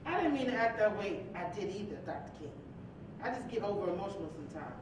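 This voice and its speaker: A woman plays an eager young waitress who rushes out flustered apologies. She sounds far from the mic in a very echoey hall, with noticeable noise behind her. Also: mid-range voice, animated, natural voice. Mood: flustered, apologetic.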